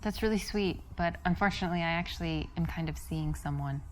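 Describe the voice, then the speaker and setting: Woman playing a low-voiced, reserved American woman. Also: quick pace, lightly acted. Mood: apologetic, firm. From United States. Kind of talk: conversational acted dating scene.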